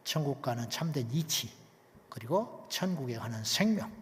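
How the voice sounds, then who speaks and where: A male pastor preaching an emphatic sermon, dropping to near whispers and then rising loud, with many rhetorical questions to the congregation. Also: medium pitch, animated, normal speed, long reverb tail.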